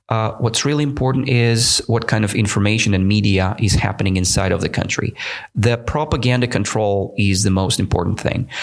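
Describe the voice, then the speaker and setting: Gravelly-voiced Russian man teaching English. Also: mid-range voice. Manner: chatty, keeps checking with "right?". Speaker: English teacher, podcast host. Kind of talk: explaining vocabulary while reading comments aloud.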